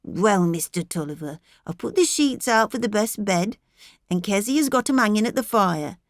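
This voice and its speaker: A woman's voice: medium pitch, animated, normal speed, no echo, clean studio sound, close to an everyday voice. A woman voicing a fretful middle-aged country wife with a rural English accent, rambling on earnestly and plaintively in an audiobook. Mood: proud, fussy.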